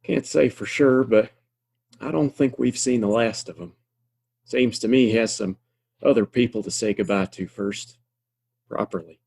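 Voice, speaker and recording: A man's voice: fairly low pitch, moderate pace, gravelly, long pauses, darkish tone, husky. An American actor playing a kindly, wry frontier townsman in a Western audio play, with a folksy, plainspoken, reassuring drawl. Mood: gentle, fond.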